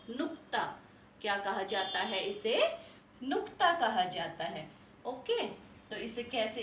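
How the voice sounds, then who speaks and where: A woman teacher gives a Hindi spelling and pronunciation lesson, asking questions and answering them herself while slowly drawing out the words she models. Her voice is a little high and fairly bright. She sounds distant in an echoey room, with slight background noise.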